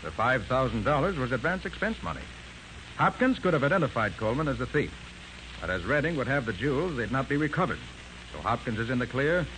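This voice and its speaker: An actor playing a shrewd, confident male private detective with an American accent in a 1940s radio crime drama, explaining things in an assertive, deliberate way. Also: mid-range voice, expressive, fairly bright tone, natural voice. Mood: confident, accusing. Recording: noisy 1940s radio recording.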